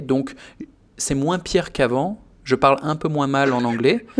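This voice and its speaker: A man's fairly high-pitched, a plain, everyday voice with ordinary pitch variation. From France. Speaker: business youtuber, interviewer. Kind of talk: interview, casual chat.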